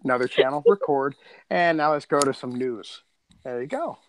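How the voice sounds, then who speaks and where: A man's voice: mid-range voice, lively intonation, normal speed, low-quality recording. A man talking casually on a podcast, informal and rambling, often questioning himself as he goes. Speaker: podcast co-creator and audio editor.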